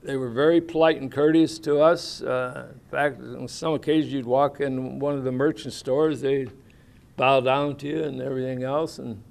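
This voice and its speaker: An older American veteran, interviewed for an oral history, rambles through his service memories in a homespun, plainspoken way with folksy grammar. His medium-pitched, slightly mellow voice has a gravelly fry, fairly even intonation and a moderate pace, and he often pauses on "uh" and other fillers between thoughts.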